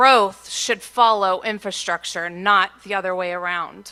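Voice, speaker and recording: In an ordinary speaking voice, a woman talks at a fairly slow pace with ordinary pitch variation. She has an American accent. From Riverbank, California. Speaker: public commenter. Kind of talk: public comment.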